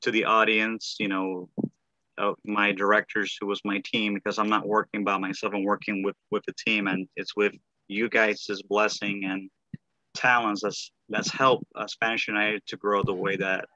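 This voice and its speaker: Bright-voiced man hosting a call. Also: lowish voice, level tone, no room sound, highs cut off. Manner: halting, many fillers and restarts. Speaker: podcast host and founder. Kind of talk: casual online group call.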